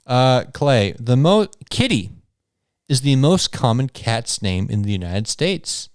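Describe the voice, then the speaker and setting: A man's voice: mid-range voice, big pitch swings, takes it slowly, clean tone, dry recording. Male podcast co-host, trivia-game patter, jokey, dry close mic. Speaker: podcast co-host and quiz master. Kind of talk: casual podcast chat, hosting a trivia game.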